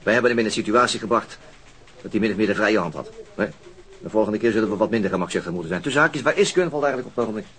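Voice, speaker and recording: A man's voice: on the low side, racing, fairly bright tone, close to an everyday voice. An actor playing a frank, conciliatory male police detective in a radio drama.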